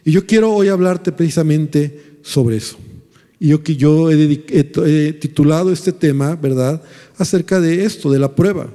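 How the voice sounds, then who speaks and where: Male Mexican pastor, storytelling sermon, warm and mellow, long church reverb. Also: on the high side. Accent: Mexican Spanish. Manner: storytelling, recounting dialogue with pauses and restarts.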